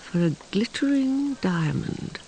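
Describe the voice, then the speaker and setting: A man's voice: very high-pitched, lively intonation, slow pace, dark tone. A man narrating a radio drama in a flamboyant, arch storytelling manner. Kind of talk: theatrical scripted narration.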